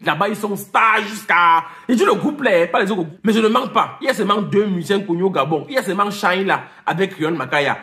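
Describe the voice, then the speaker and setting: Animated guy doing a jokey rant for his viewers, high bright voice, jumps all over, laughs mid-sentence. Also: quick pace, hardly any pauses. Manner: animated, teasing, repeats names, mixes in English; laughs while talking. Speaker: vlogger. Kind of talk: comic rant to camera.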